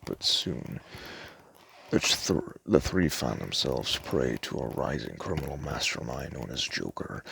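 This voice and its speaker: A soft-spoken man doing a casual ASMR roleplay as a store clerk, chatting in a hesitant, rambling way. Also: a bass voice, creaky, slight background noise.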